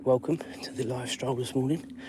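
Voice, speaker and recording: A man chats loosely to his live-stream viewers as he walks his dog along a drizzly residential street. His talk rambles and is full of fillers. He sits at a middling pitch, and a faint background hiss comes through. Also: steady tone, normal speed. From London. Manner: rambling, chatty, lots of fillers. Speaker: vlogger walking his dog. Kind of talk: live-stream walking chat.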